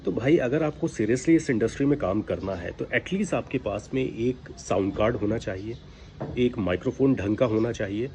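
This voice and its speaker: A man's voice: mid-range voice, brisk, mellow. A man giving informal instructional talk as a voice-over coach, emphatic and admonishing, with rhetorical questions. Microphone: built-in device microphone, no mic attached. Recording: background noise, recorded without external microphone. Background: ambient noise from outside.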